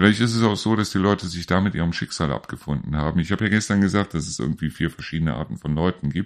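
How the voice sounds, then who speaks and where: Very fast speech from a man with a very deep, low pitch and ordinary pitch variation, over a quiet background. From Lower Rhine, Germany (Neuss). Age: 50s. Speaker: internet radio host. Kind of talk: solo commentary monologue. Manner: casual, rambling with fillers.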